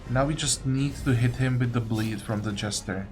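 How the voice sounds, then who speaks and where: A man's voice: mid-range voice, normal speed. A man giving casual gameplay commentary, muttering short reactions to himself as he plays. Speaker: gaming video creator playing and commenting. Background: game music.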